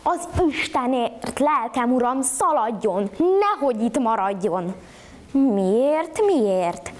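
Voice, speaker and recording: Woman playing a cunning young maid in a told folk tale, shrill and urgent, voice leaping high. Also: lively intonation, natural voice. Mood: pleading. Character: sly greedy young maid, cunning and scheming.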